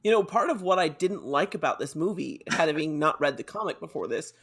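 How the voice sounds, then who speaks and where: A man co-hosting a podcast, making quick quips and laughing often. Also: on the high side, animated, a bit bright, husky. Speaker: podcast co-host. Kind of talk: casual chat.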